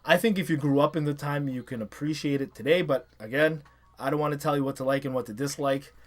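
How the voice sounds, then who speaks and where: A man's voice: fairly high pitch, fast. A man around his thirties or forties giving casual, opinionated countdown commentary as an enthusiastic fan and online review host.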